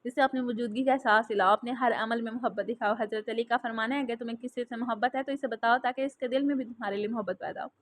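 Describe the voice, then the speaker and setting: Gentle old male cleric, instructive and soothing, read by a woman, brisk delivery. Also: fairly high pitch, fairly even intonation, slight background noise, lightly acted. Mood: consoling. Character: gentle elderly male mosque cleric giving counsel.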